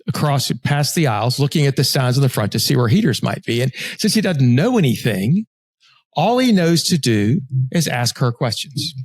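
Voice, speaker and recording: A man's voice: medium pitch, sing-song, moderate pace, no room sound. A middle-aged man hosting a podcast, telling a story in a loose, conversational way with plenty of swearing. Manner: profane, conversational. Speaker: podcast host. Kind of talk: casual storytelling.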